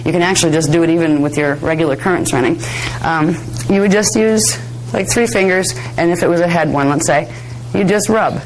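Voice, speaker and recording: A woman teaching a live workshop, slightly hoarse, explaining at length in a chatty way, with fillers and soft laughs. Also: on the low side, brisk, a little hiss or hum, poor audio. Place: workshop room. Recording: 1999 workshop video, faint music.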